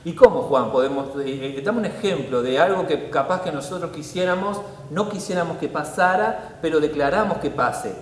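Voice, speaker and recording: A high-pitched man with a Rioplatense accent delivers a sermon. He is animated and theatrical, slipping into little character voices. The recording is roomy, with a long echo from the hall. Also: moderate pace, few pauses, far from the mic, a little hiss or hum. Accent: Rioplatense Spanish. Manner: animated, acts out scenes with voices. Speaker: preacher. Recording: echoey hall, long reverb.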